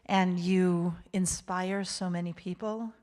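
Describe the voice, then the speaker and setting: Slowly and with a steady tone, a native Hebrew-speaking woman offers a heartfelt, emphatic inspirational address as guest speaker before a live synagogue congregation, repeating phrases for effect. Her voice is fairly low and a little mellow, with a little hiss or hum in the recording.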